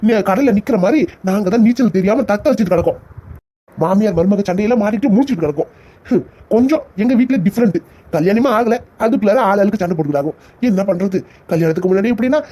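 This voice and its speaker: A man's voice: sits high, mellow. A man voicing a harried young man in a cartoon, stammering and muttering complaints to himself. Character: flustered young man, harried son caught between mother and fiancée. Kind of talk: cartoon comedy voice acting.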